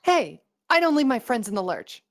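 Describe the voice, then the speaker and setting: Brash young female pegasus played by a woman, cartoon audio drama, high and animated, loyal and bold. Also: moderate pace. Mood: defiant.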